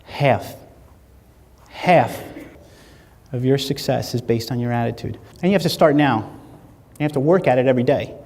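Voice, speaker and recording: A man, giving a keynote speech and acting out stories with lively dialogue. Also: mid-range voice, normal speed, pauses often, in a large hall, a little hiss or hum. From Latin America, Spanish-speaking. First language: Spanish. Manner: animated storyteller acting out dialogue. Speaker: motivational speaker. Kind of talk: keynote speech to a live audience. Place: large hall.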